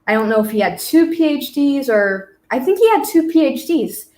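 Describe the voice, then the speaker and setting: A woman's voice: sits high, very animated, normal speed, darkish tone. A young American woman in her twenties, a college student guest, telling a story casually with lots of fillers. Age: 20s. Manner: rambling, filler-heavy storytelling. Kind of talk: casual conversation. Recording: roomy echo.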